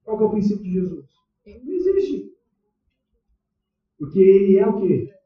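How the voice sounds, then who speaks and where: A Brazilian pastor preaches in a loose, conversational way, tossing questions to the congregation. His voice sits high, and it bounces around a very echoey church. The mic is far off and dull. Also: big pitch swings, moderate pace. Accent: Brazilian Portuguese. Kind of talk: sermon.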